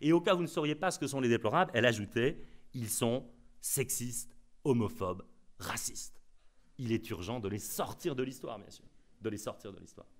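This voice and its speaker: A man's voice: mid-range voice, lively intonation, quick pace. A man giving a conference lecture, ironic and emphatic, often repeating his key phrases. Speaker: conference speaker.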